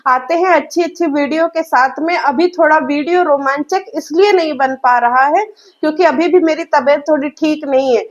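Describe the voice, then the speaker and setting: A woman's voice: sits high, moderate pace, dull audio. A woman roasting others in a reaction vlog, mocking and scolding, with a sore throat. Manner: mocking, scolding, addresses viewers as guys. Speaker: reaction vlogger.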